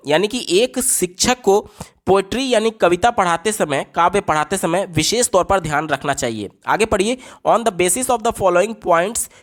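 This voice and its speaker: Guy teaching exam prep, fairly high voice, reads options out slow then explains.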